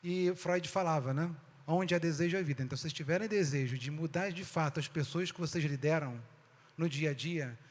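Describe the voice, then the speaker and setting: A man's voice: on the high side, brisk. A Brazilian man with a slightly raised voice speaks on stage to an audience, his words ringing through a hall with a long reverb. He keeps it conversational, calls the crowd "gente" and keeps asking rhetorical questions. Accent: Brazilian Portuguese. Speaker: speaker giving a talk.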